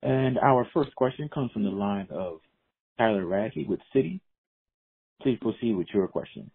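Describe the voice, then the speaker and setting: A man's voice: lowish voice, lively intonation, moderate pace, slightly rough. A man working as a conference call operator, reading scripted instructions in a formal, procedural way. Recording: muffled narrowband phone line.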